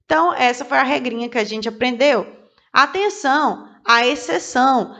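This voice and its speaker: High-voiced woman teaching step by step. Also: fairly bright tone. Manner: explains step by step, spells out letters, asks and answers her own questions. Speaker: English teacher. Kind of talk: didactic video lesson.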